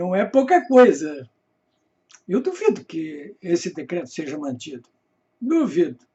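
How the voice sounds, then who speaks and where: Speaking fairly slowly with long, frequent pauses, a man uses a high pitch, very wide pitch swings and big swings in loudness. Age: 80s+. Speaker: political journalist. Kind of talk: opinion commentary monologue. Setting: home office.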